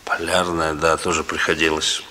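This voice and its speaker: A young actor playing a rough, laconic young man with a hard past who talks in a colloquial, gently teasing way, in 1960s radio drama style. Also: very deep voice, little pitch movement, normal speed. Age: young adult.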